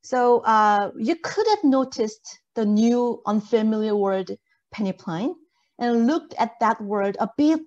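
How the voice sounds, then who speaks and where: A woman's voice: a little high, darkish tone, muffled recording. A woman lecturer giving an interactive online lesson in an encouraging way, checking understanding with questions. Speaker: university lecturer. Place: indoor video call.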